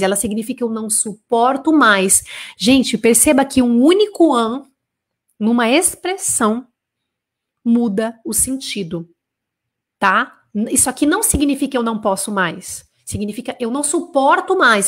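A Brazilian woman with a Brazilian Portuguese accent giving a casual live French lesson, slowing down to model phrases and checking in with quick tag questions. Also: fairly high pitch, lively intonation. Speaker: French teacher. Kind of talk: live online language lesson.

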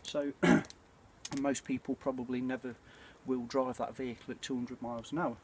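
A man's voice: mid-range voice, level tone, normal speed. British man chatting over outdoor noise. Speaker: bushcraft vlogger. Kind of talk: casual reflective chat to camera. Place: outdoors at night by a small campfire. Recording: clear ambient noise of an outdoor campfire.

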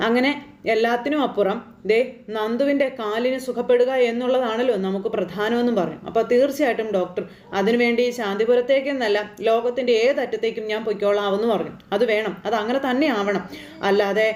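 A woman's voice: on the high side, fairly quick, darkish tone, roomy sound. A woman chattily retelling a TV serial episode, rambling with fillers and tag words. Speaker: serial recap narrator.

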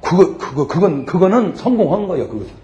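A middle-aged man preaching a humorous revival sermon to a congregation, lively and joking, swinging from loud shouts to soft asides. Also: high voice, quick pace. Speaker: pastor. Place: church sanctuary before a congregation.

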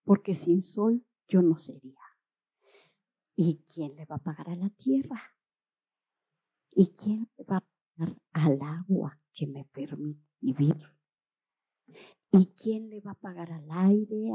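A woman's voice: lowish voice, expressive, slow, long pauses, breathy edge, heavily acted. A woman voicing a wise talking tree with a cavernous voice, read out in a children's story. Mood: wondering. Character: wise talking tree who questions paying. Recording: dull lo-fi recording.

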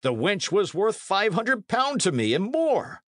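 A man's voice: medium pitch, wildly swooping pitch, unhurried, fairly bright tone, dry recording, studio quality, pitched above the performer's own voice, full character voice. A man reading a storybook as a blustering, imperious medieval knight who barks orders in archaic speech. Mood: furious, commanding.

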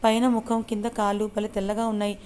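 A woman's voice: mid-range voice, flat delivery, quick pace, a little mellow, smooth, close to an everyday voice. A woman voicing a playful, teasing young man in love, reading him in a storybook style. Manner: cheeky, teasing.

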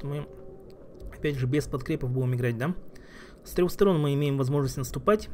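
A man's voice: fairly high pitch, a little mellow, slight background noise. A man giving casual gameplay commentary as a streamer, thinking aloud and muttering asides while he plays. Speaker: game streamer.

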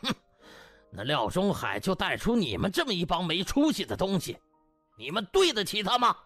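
A man voicing a stern, disappointed old hospital director who scolds with contempt and drawn-out rhetorical questions in an audiobook. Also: sits high, huge pitch swings, pushed and bright, faint music behind, pitched above the performer's own voice, exaggerated voice. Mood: scornful, angry. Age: older.

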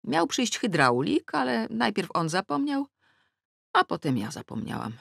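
A middle-aged woman reading a first-person novel aloud, wry and ironic, with sudden rises in pitch on the punchlines. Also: huge pitch swings, unhurried, vocal fry, a bit bright, no room sound, studio quality. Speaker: audiobook narrator. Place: dry recording booth. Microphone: close studio mic.

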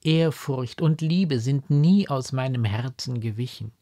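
A man's voice: medium pitch, measured pace, warm tone. A man reading the part of a young noblewoman in a classic audiobook, with agitated, exclaiming speech. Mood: distraught. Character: young noble lady, bewildered and distraught.

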